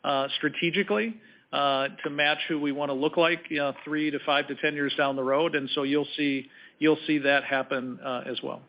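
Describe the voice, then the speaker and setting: A man speaking as a company executive on an earnings call, answering in measured, halting corporate phrasing. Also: fairly high pitch, fairly even intonation. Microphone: conference call line. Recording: slightly dull conference call audio.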